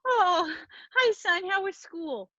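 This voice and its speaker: A woman's voice: very high-pitched, animated, takes it slowly, bright, forceful tone, no room sound, lo-fi sound, heavily acted. A woman playing a chatty, politely cheerful Midwestern mom with a Minnesotan accent in a comedy sketch reading. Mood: motherly, breezy.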